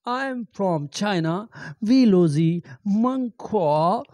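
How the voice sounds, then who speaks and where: A middle-aged man giving an amateur language lesson, halting and repeating phrases with many fillers, speaking into a handheld microphone in a small room. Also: high-pitched, animated, darkish tone, no echo. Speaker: language teacher. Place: small indoor room with green backdrop.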